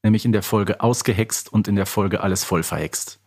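A man's voice: lowish voice, brisk, a little mellow, slightly rough. A man answering and chatting casually as a contestant on a quiz podcast, playfully sure of himself.

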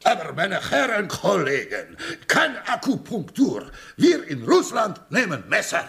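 A man's voice: high voice, wildly swooping pitch, measured pace, creaky, pushed and bright, heavily acted. An actor playing a boisterous male surgeon with a Russian accent, who speaks broken German and is eager to operate. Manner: broken German, hearty and pushy. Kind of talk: radio play acting.

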